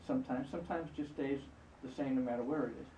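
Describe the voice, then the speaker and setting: A hypnotist guiding a volunteer through a live exercise, repeating encouraging instructions. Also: male voice, medium pitch, quick pace, warm tone, a little hiss or hum. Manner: coaching, repetitive, encouraging. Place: event room. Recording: roomy, distant, muffled live event recording.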